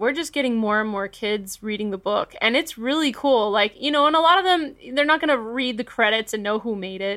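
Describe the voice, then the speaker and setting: A woman's fairly high voice with an American accent, lively intonation, a fairly quick pace and hardly any pauses, against noticeable background noise. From Denver, Colorado. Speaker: comic book artist. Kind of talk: interview.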